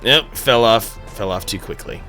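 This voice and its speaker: A man's voice: fairly low pitch, normal speed, sharp tone. A man giving playful, sarcastic live commentary while streaming a video game, joking and swearing casually, over faint game music.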